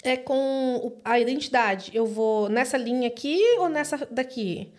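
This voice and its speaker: Animated Brazilian woman telling a story. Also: on the high side, measured pace. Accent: Brazilian Portuguese. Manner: animated, acts out quoted voices. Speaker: podcast guest. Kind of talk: casual storytelling interview.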